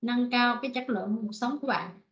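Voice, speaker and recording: Lady teacher, higher voice, repeats words slow, kinda muffled lo-fi call audio. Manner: repeats words slowly, explains in short phrases. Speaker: English teacher. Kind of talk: online vocabulary lesson.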